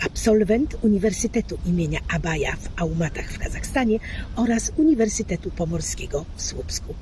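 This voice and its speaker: A woman giving a formal literary reading in a deliberate, declamatory, carefully enunciated way. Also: mid-range voice, a little mellow, a little hiss or hum, rough recording. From Poland. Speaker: reader, fan club member.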